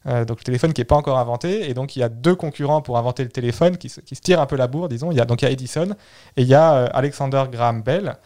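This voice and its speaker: A man at an ordinary middle pitch tells history in easygoing conversation. He explains at length and often doubles back on his words while he thinks. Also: racing, mellow. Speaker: podcast co-host telling history. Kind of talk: casual history chat.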